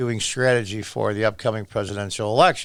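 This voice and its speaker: Over a silent background on a very clean recording, a man with an American accent talks at a moderate pace and medium pitch, with ordinary pitch variation. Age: 60s. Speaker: political commentary vlogger. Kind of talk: opinion commentary monologue. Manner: animated.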